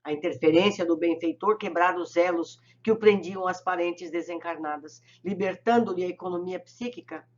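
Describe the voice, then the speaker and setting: An audiobook narrator reading a novel slowly and carefully in a reverent tone. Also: medium pitch, muffled recording. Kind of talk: scripted narration of a spiritist novel.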